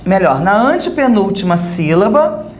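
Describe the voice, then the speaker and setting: A woman's voice: mid-range voice, big pitch swings, moderate pace, a little mellow, roomy sound, a little hiss or hum. A woman with a Brazilian Portuguese accent, teaching a recorded grammar lesson and checking in with the class as she explains.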